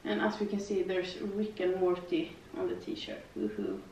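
A woman's voice: lowish voice, big pitch swings, moderate pace, darkish tone, slight background noise. A young woman with a foreign accent chatting casually in a rambling way, full of fillers and tag questions, while doing yoga in her living room. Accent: non-native English, lives in Sweden. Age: young adult. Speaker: vlogger. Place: living room with slanted ceiling, indoors. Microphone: far camera. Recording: roomy, distant, dull camera audio.

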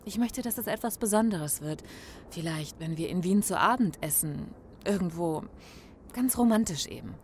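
An actress playing a woman in love who speaks softly and jokes with her partner. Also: fairly low pitch, expressive, moderate pace, a little hiss or hum. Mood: affectionate. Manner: soft, affectionate, joking. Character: happy woman in love, planning a wedding.

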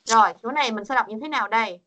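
A woman's voice: fairly high pitch, very fast, sharp tone, slight background noise. A woman teaching a Korean pronunciation lesson over a video call, patient and coaxing, repeating words for her students.

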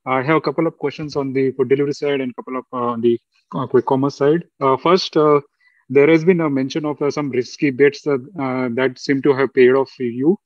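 A man's voice: medium pitch, steady tone, no room sound, distant mic. Male analyst on a dull conference line. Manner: halting. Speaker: financial analyst. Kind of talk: asking questions on an earnings call. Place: conference call.

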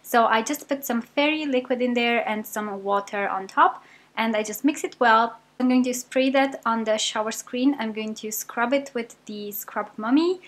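A young British woman talks through her cleaning routine in a casual, upbeat voice-over. Her voice sits a little high, and she fills her pauses with relaxed ums. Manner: chatty, upbeat, many ums. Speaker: cleaning vlogger.

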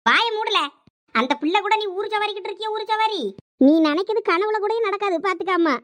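Shrill fast-talking village mom, bossy, thoothukudi accent, dry sound, a woman doing it. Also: dry recording. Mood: scolding. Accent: Thoothukudi Tamil. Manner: scolding, domineering. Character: scolding village mother, bossy and loud. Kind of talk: village comedy skit.

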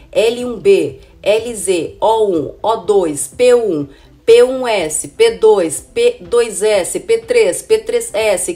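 A cold has left this woman's voice hoarse and rough; she's in her thirties, speaking at medium pitch with a dark tone. As an immigration consultant hosting her own channel, she explains things chattily in a casual vlog, addressing viewers as "gente" and frequently saying "né?" and "viu?". A close-range camera records her in an indoor room with window blinds.

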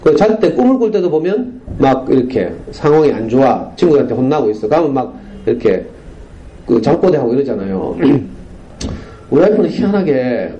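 경상도 억양의 중년 남성이 학교 강당에서 학부모들에게 청중에게 질문을 던지며 생생하게 이야기를 풀어내는 강연을 합니다. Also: male voice, medium pitch, moderate pace, dull audio. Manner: animated storytelling, rhetorical questions to the audience. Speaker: parenting lecturer. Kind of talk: lively lecture to parents. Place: school lecture hall.

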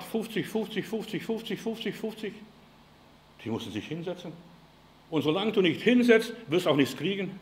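A middle-aged man preaching a sermon as pastor, switching between loud bursts and quiet asides, often asking "ja?" of his listeners. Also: sits high. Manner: lively preaching with sudden loud and quiet turns, frequent "ja?" and "verstehst du".

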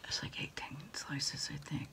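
A middle-aged American woman whispering softly and haltingly in a quiet ASMR roleplay, politely taking orders as if on the phone. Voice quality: breathy whisper with fry. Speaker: ASMR performer playing a takeout order taker. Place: small dim indoor desk space.

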